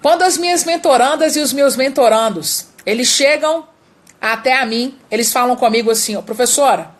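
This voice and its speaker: Female speaking coach, Brazilian accent, high voice, emphatic and repetitive for stress. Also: moderate pace. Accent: Brazilian Portuguese. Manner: emphatic, repeats key words, demonstrates vocal exercises. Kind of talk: live-streamed speaking lesson.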